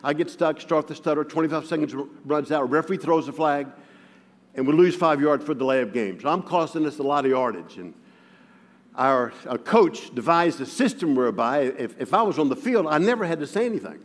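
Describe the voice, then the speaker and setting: Man, stutterer, guest preacher, self-deprecating, slightly high voice, reverberant church hall. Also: expressive, brisk. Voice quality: stutters, with frequent repeated words. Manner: self-deprecating humor, chuckling as he talks. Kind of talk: sermon with personal storytelling. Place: church sanctuary. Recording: long reverb of a large hall.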